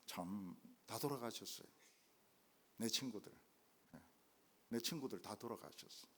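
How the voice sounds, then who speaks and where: An older man preaching a revival sermon as a guest pastor, jumping from loud exclamations to hushed asides. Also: on the low side, unhurried, breathy edge. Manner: animated, swinging from loud exclamations to quiet asides. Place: church main sanctuary.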